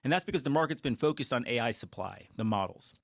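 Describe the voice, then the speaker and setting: A man's voice: medium pitch, lively intonation, fast, vocal fry, no room sound. Man giving assertive corporate remarks, muffled line. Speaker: company executive presenting on an earnings call. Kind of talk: scripted earnings call presentation.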